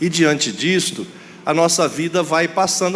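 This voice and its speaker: Recorded with noticeable background noise and audible room echo, a man is speaking. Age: 60s. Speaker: preacher. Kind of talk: sermon. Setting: church.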